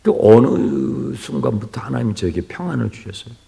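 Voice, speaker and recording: Gravelly-voiced pastor preaching in a church. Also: male voice, mid-range voice, fairly quick. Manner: swings from hushed near-whispers to loud exclamations; asks the congregation questions. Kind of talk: early-morning sermon. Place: church sanctuary. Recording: reverberant church hall.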